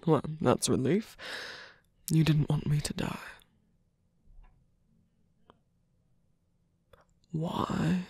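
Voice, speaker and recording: A man playing a tender, teasing villain in an intimate ASMR roleplay, breathy and hesitant, often dropping to a whisper. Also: a little high, no room sound, heavily acted. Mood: earnest, vulnerable. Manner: hesitant, halting, soft-spoken. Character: male villain, tender, teasing, smitten with rescuer. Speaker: voice actor.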